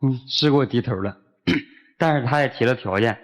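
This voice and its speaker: A man's voice: medium pitch, normal speed, muffled recording. A man from Liaoning, a guest who protests and defends himself against his girlfriend's complaints. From Liaoning, China. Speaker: guest on dating show.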